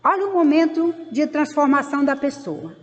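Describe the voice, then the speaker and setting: An older woman giving a personal testimony at a spiritist meeting, telling her story with lively reenacted dialogue. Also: high-pitched, normal speed. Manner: animated storyteller who acts out remembered dialogue. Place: meeting hall of a spiritist center. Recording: long hall reverb.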